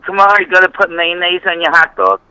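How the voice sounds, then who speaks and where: An older man calling in to a sports talk show over the phone, rambling and trailing off mid-sentence in a high-pitched voice. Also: level tone, fast, pushed and bright, poor audio. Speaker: caller. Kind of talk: casual call-in chat.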